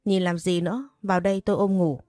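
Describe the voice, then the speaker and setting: A man's voice: high-pitched, steady tone, fast talker, a little mellow, dry recording, natural voice. Woman reading as a bossy teasing young husband. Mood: firm.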